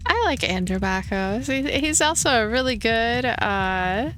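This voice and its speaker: A woman's voice: on the high side, animated, a little slow, a bit bright. A woman hosting a let's play, commenting casually and tentatively as she thinks aloud. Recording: faint game music behind.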